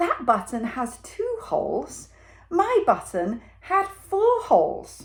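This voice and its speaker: In a put-on character voice, the speaker uses an extremely high pitch and a very slow pace. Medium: read story. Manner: fretful, complaining.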